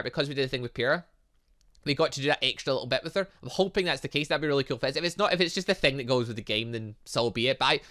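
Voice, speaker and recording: Gaming host for let's play commentary: bright voice, very lively pitch, rambling delivery. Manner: rambling, repeats phrases. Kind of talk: let's play commentary, reading visual novel dialogue aloud.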